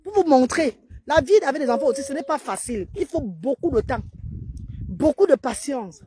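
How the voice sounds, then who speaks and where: A woman's voice: high voice, lively intonation, normal speed, mellow. A mother of an autistic child filming herself outdoors in a park, speaking earnestly and urging other mothers on a casual livestream.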